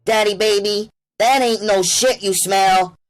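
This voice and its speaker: A man voicing a fawning, flattering woman prostitute in a high falsetto. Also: a little slow.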